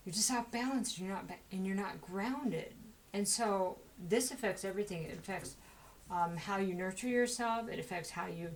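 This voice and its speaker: Fast-talking, rambling woman tarot reader. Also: mid-range voice, a little hiss or hum, rough recording. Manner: fast, rambling, conversational with many fillers. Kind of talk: casual tarot reading monologue.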